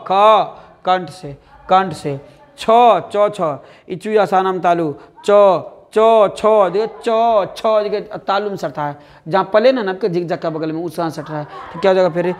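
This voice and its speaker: Speaking at a measured pace in a high-sitting voice, a male teacher with a Bihari accent gives an exam-prep lesson. He relies on drilling, repeating words constantly and quizzing the class, whom he calls "dear".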